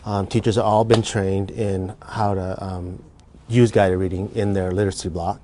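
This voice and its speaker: A man with a fairly low voice speaks haltingly. He fills many pauses, and faint noise sits behind him. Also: level tone, dark tone. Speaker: school administrator. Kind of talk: interview answer.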